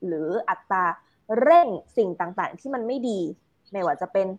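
A woman talks through an idea in a relaxed conversational way. Her voice sits at a middle pitch. She pauses with fillers and drops in English words. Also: poor audio. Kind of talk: casual explanatory chat.

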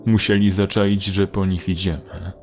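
A man voicing a wounded male soldier who is bleeding, gruff and urgent, in a spoken war story. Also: deep voice, little pitch movement, normal speed, darkish tone, faint music behind.

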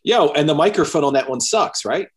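A man who is a guest on a podcast, telling stories in an animated way over a remote call, laughing often and saying "like" a lot. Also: fairly high pitch, brisk, faint music behind. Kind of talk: casual chat.

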